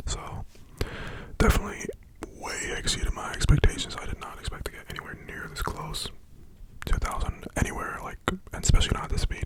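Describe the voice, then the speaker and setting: Whispering at a very fast pace, the speaker breaks off in long, frequent pauses against noticeable background noise. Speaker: ASMR youtuber. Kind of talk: ASMR Q&A video. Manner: soft-spoken.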